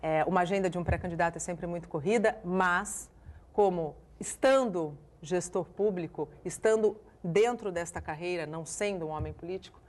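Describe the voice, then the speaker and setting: A Brazilian woman hosting a morning news show, asking questions in a lively, chatty way. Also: fairly low pitch, moderate pace. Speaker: TV news presenter and interviewer.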